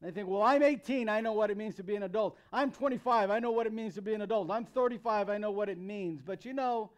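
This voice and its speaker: An American-accented man in his thirties delivers a youth sermon quickly in a high-pitched voice. As pastor, he stays conversational and emphatic, using repeated phrases for emphasis.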